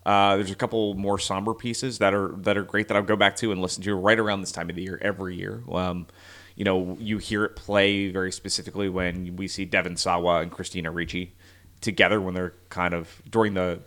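A man's voice: low-pitched, flat delivery, brisk, a bit bright. A man co-hosting a casual movie podcast, chatty and often trailing off mid-thought. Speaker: podcast co-host.

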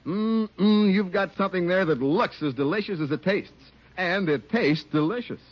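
A man's voice: high-pitched, moderate pace. A man announcing a scripted radio commercial, cheerful and persuasive. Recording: dull old radio broadcast.

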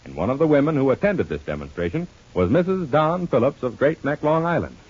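A man's voice: very animated, brisk, a little mellow, husky. A man announcing and selling soap in the emphatic style of an old-time radio show, heard through an old muffled radio transcription. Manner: emphatic sales pitch.

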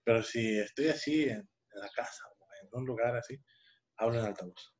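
A podcast co-host, a young man with a mid-range voice at normal speed, tells a personal story casually and rambles, with fillers and false starts. The recording has a dull, lo-fi quality.

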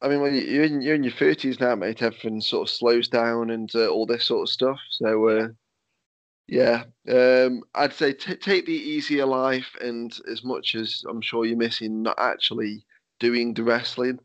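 A man's voice: medium pitch, fairly even intonation, moderate pace, dry recording. A man with a slight lisp hosting a podcast, asking rambling questions full of fillers. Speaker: podcast host. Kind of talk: casual chat. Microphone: remote call. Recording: dull lo-fi call audio.

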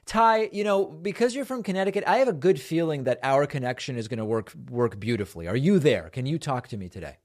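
A man hosting a call-in show, talking with callers and reading sponsor ads in a brisk, emphatic, conversational way. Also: mid-range voice, lively intonation. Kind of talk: casual call-in talk and read sponsor ads.

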